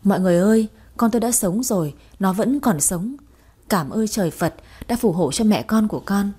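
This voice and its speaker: A woman's voice: medium pitch, expressive, moderate pace, warm tone, slightly rough. Woman voicing a desperate young mother. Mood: overjoyed. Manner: pleading, tearful. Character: young desperate mother, poor, devoted to her son.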